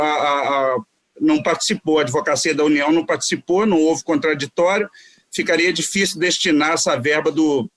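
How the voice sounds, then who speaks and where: A man serving as a judge, giving his vote in a formal session, halting with many fillers. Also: on the high side, no room sound. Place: court session.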